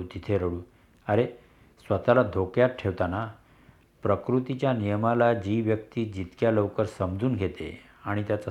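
Man teacher, lowish voice, measured repetitive sermon delivery. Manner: measured, repetitive rhetorical phrasing. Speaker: spiritual teacher. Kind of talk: dharma discourse.

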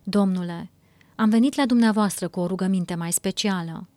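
A woman's voice: medium pitch, mellow, dry recording, lightly acted. A woman reading a pleading young man.

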